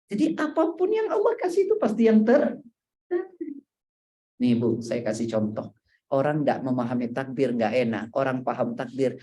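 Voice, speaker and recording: A middle-aged man preaching to a women's congregation in a mosque hall, animated and joking, often putting questions straight to his listeners. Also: fairly high pitch. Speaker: Islamic preacher.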